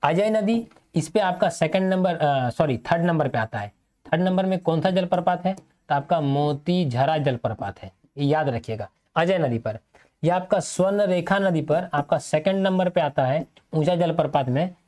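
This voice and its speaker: A man's voice: fairly high pitch, animated, moderate pace, a little mellow. A male teacher giving an exam-prep lecture, asking and answering his own questions and repeating key points so students remember them.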